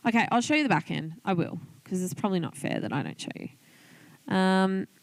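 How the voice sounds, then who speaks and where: Her mid-range voice is sing-song and creaky, moving at a normal speed. The Australian woman is an online business coach giving an informal, step-by-step tutorial on video tips, chatting and thinking aloud while walking through a screen demonstration. The audio is poor but has no echo.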